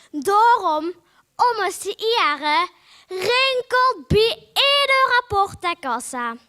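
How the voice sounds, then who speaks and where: A woman's voice: extremely high pitch, sharp tone. A female contestant with a Limburgish accent reciting a rhymed poem in a recitation contest.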